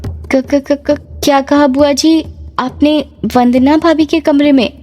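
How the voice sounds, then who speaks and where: A woman's voice: medium pitch, normal speed, faint music behind, natural voice. A woman voicing a shy, nervous young woman who hesitates and stammers, in a spoken horror story. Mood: frightened.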